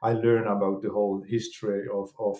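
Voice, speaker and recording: As a casual interview guest in a London room, a film director and producer from Poland talks in a Polish accent, often halting, restarting, and using broken grammar. His voice is fairly low, level, and mellow, and the recording sounds roomy.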